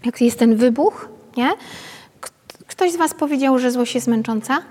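This pedagogue leads a parenting workshop, chatting informally with the group and regularly checking in with tag questions. Her voice sits high but has a dark tone, and she speaks at normal speed. Long reverb from the hall is audible.

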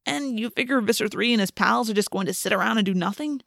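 A woman's voice: medium pitch, quick pace, creaky, a bit bright, no room sound, clean studio sound. A woman voicing a brash teenage boy in an audiobook, teasing and sardonic in manner. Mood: skeptical.

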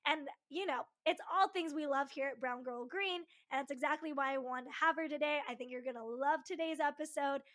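A bubbly woman hosts an interview podcast, her voice sitting high. She talks with eager enthusiasm, peppered with "you know" fillers. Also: a little fast, few pauses, a bit bright. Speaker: podcast host.

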